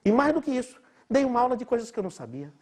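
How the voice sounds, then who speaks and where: A man's voice: very high voice, very animated, rapid-fire, noisy background. A middle-aged man from Brazil giving a chatty, informal lecture, laughing often and asking his listeners rhetorical questions. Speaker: doctor lecturing.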